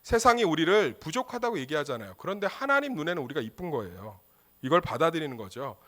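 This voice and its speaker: Brief: male pastor, emphatic humorous sermon, slightly high voice with a very lively pitch. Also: fast talker. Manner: emphatic, humorous, rhetorical questions.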